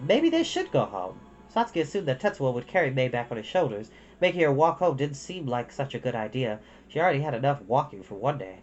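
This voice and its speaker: A woman reading a children's novel aloud as an expressive storyteller. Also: extremely low pitch, quick pace, few pauses, lo-fi sound, soft background music. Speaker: storytime reader. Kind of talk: expressive scripted storybook narration.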